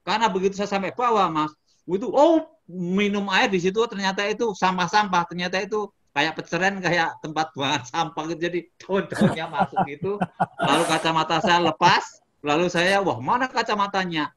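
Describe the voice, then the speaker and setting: A middle-aged man from Indonesia who works as a motivational speaker, chatting in an interview. His voice sits a little high and stays animated. He tells his story with chuckles and sudden shouted exclamations. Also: fairly quick.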